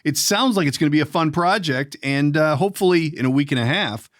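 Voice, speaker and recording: A man hosting a casual podcast interview, often repeating words and pausing as he feels his way through a sentence. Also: fairly high pitch, expressive, a bit bright, no room sound, studio quality. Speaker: podcast host.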